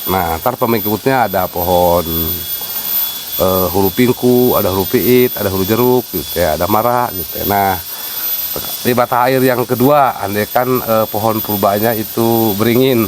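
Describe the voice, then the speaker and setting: Sundanese guy, lowish voice, slow explainer w lots of uh, hissy outdoor audio. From West Java, Sundanese. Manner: unhurried, hesitant with fillers, explains at length. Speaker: site caretaker and guide. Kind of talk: casual explanatory interview. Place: outdoors at a wooded sacred site.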